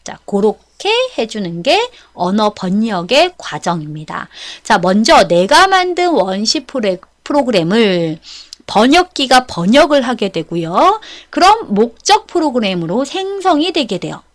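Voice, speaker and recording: High-pitched, animated woman lecturer. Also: unhurried. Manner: instructive, checks in with listeners using short questions. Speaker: instructor of a certification exam course. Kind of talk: explanatory lecture, step by step.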